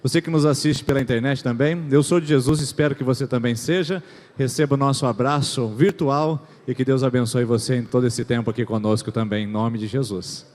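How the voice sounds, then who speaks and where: A man's voice: medium pitch, fairly even intonation, fairly quick, darkish tone. A man with a Brazilian Portuguese accent, a pastor welcoming the congregation and online viewers and giving announcements. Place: church sanctuary. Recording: long reverb of a church hall.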